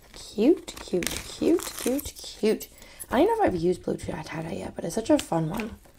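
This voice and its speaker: Noticeable background noise fills the clip. A woman talks at a moderate pace. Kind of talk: casual chatty video. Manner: casual, rambling, chatty.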